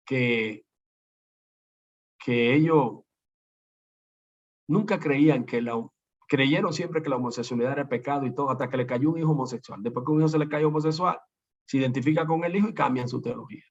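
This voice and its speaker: A man preaching and teaching a congregation in an animated way, acting out the people he quotes. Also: medium pitch, slightly rough. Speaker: pastor. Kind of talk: preaching talk. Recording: dull lo-fi sound.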